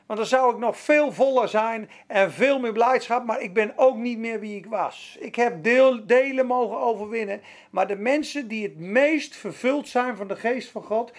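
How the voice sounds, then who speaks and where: A man preaching a sermon, animated, swinging between loud exhortation and soft prayer-like passages. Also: very high-pitched. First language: Dutch.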